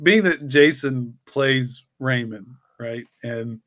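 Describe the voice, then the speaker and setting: Male co-creator in relaxed podcast conversation: halting, rambling delivery, mid-range voice, close dry sound. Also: medium pitch, no room sound. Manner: halting, rambling, repeats words. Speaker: co-creator and writer discussing his story. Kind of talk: casual chat.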